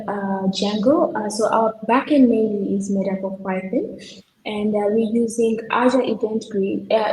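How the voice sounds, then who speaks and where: A young woman from Kenya, a software developer, explaining her team's project in an earnest way with many fillers. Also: mid-range voice. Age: young adult. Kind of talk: technical project demo. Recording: echoey room with faint background noise.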